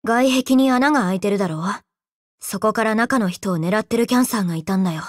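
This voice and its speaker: Game role: cool boyish young woman soldier, voiced by a woman, level plain delivery, mid-low female register. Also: fast, no echo, clean studio sound, close to an everyday voice. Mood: steady. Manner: level, matter-of-fact, plain-spoken. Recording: faint music underneath.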